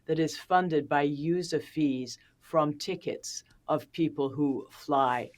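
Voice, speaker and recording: A woman's voice: low voice, slow pace, a little mellow. A woman speaking as a policy expert in an interview, explaining methodically with questions and plain examples.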